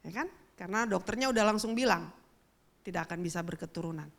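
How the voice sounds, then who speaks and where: A woman's voice: fairly low pitch, quick pace, vocal fry. A middle-aged woman pastor, giving a sermon as a chatty personal story and speaking straight to the congregation. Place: church.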